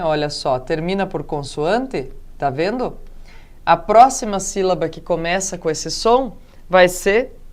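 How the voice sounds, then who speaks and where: A woman teacher with a Brazilian Portuguese accent, giving a video lesson and explaining step by step, often checking with her students and drawing out example words. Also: on the low side. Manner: explanatory, frequent tag questions; drawn-out emphasis on example words.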